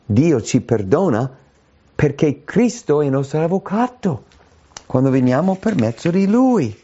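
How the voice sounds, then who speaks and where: A man preaching a sermon in an earnest, emphatic way, slowing down to stress key phrases. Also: on the high side, sing-song, dark tone. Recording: dull lo-fi sound.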